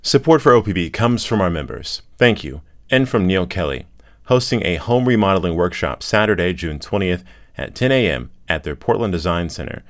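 A man reading a public radio station break in a measured, formal way. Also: sits low, very animated, no room sound, studio quality.

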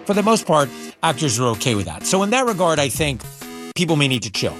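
A man's voice: a little high, big pitch swings, quick pace, over music. A man, an entertainment reporter, explaining the story in casual chat with emphatic asides.

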